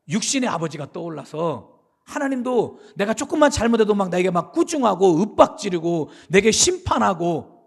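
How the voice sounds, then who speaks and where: A man's voice: sits high, vocal fry, slightly rough. A middle-aged man, the senior pastor, preaching a sermon in a church sanctuary in a conversational way, asking his listeners questions.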